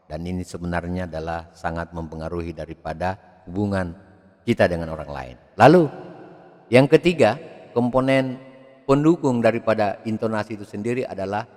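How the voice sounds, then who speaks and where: A man giving a video lecture on public speaking, expressive, swinging his pitch and loudness to demonstrate. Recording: long hall reverb.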